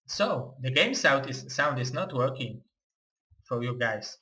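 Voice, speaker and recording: Calling a game live, this young non-native English speaker offers play-by-play in a medium-pitched voice. His Eastern European accent colors commentary that is excitable yet halting.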